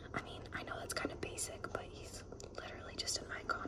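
A woman is heard over loud background noise. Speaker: asmr creator. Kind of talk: ASMR whispered gameplay tour. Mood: happy, enthusiastic. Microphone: phone near.

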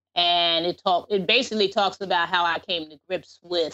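With a Philadelphia accent, a woman talks at a moderate pace in a fairly low pitch. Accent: Philadelphia American English. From Philadelphia, US. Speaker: blind advocate. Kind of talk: interview.

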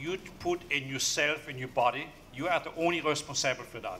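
Over light background noise, a man with a fairly high voice talks at a moderate pace with ordinary pitch variation. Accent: French. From France. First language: French. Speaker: chef; guest. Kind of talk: casual chat; interview answer. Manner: halting. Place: stage. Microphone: handheld.

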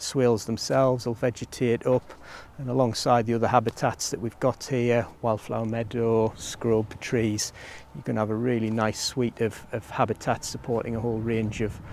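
The recording is dry with no echo, with light background noise. A man speaks at a moderate pace in a monotone, flat intonation. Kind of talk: interview answer. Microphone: lapel.

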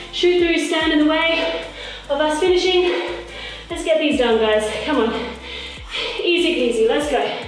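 Through strong room echo and clear background music, a woman talks at a moderate pace in an extremely high pitch. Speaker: fitness instructor. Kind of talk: workout instruction and outro chat. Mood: warm, proud, encouraging. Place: home room.

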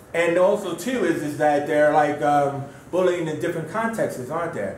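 Someone with an American accent talks at a fairly quick pace, with audible room echo and light background noise. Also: man. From United States. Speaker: media teacher and filmmaker. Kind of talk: lecture. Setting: classroom with young audience. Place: classroom. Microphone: camera far.

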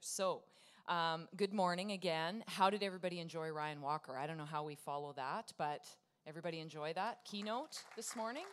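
Moderate pace from a female speaker. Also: quiet background. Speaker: session host. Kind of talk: opening remarks to an audience. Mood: friendly, light joking. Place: hall. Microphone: podium.

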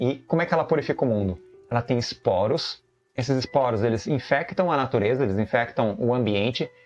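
A man talks with lively intonation. Music plays in the background. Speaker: channel host. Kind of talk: commentary. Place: home room. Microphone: webcam.

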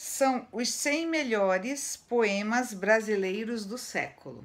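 A woman with a Brazilian accent, fairly high in pitch, with lively intonation at a very slow pace. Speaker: video channel host reading poetry. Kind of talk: poetry reading, warm and measured, intimate delivery to camera. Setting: home video recording. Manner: friendly, warm, unhurried in the sonnet; chatty, affectionate, conversational around the poem. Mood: warm, enthusiastic. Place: home room. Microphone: phone near.

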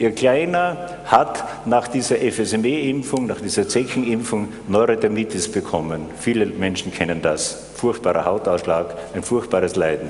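His voice sits at a medium pitch and swings very widely in pitch. The man speaks at a moderate pace. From Styria, Austria. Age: 60s. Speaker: doctor giving lecture. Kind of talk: lecture. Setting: stage with audience at congress.

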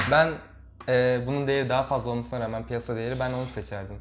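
Noticeable background noise sits behind a man whose medium-pitched voice keeps a fairly even intonation. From Izmir, Turkey. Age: young. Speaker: university student, viewer; viewer giving a phone review. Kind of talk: casual interview. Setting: studio. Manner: quiet. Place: home room. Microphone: lapel.

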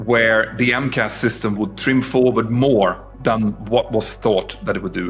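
A man talks at an unhurried, moderate speed while music plays faintly behind him. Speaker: remote interview guest. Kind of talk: interview answer. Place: home room. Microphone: webcam.

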